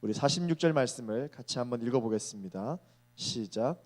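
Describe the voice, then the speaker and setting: A man in his thirties preaching a sermon to young adults, earnest, slowing down to weigh key phrases. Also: mid-range voice, expressive, darkish tone.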